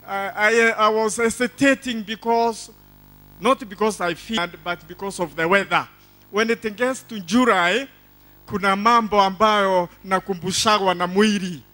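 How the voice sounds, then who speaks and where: On a large church hall stage, an older man from Embu County, Kenya gives a church testimony, preaching to the congregation through a handheld microphone. His delivery is exuberant and declamatory, his voice high and bright. He takes his time and repeats phrases to drive them home.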